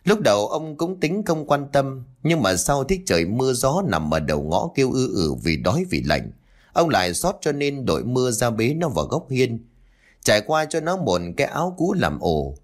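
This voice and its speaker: Storyteller with lively pitch. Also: male voice, moderate pace. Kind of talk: scripted story narration.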